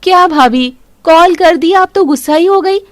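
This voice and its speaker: A woman voicing a spoiled, demanding young sister-in-law in an animated story, talking in a whiny, pouting way. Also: very high-pitched, normal speed, no room sound, studio quality, voice pushed up. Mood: pouty.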